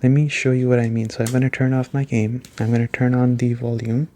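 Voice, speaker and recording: Soft-spoken man with a dark, mellow voice. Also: medium pitch, little pitch movement, fairly quick, a little hiss or hum. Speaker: gaming video host. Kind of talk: soft-spoken ASMR game review chat.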